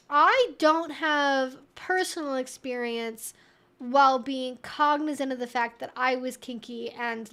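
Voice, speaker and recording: High-pitched woman chatting candidly. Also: fairly bright tone. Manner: candid, conversational, explanatory, hedging with frequent asides. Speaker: livestream host, educator. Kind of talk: casual livestream Q&A.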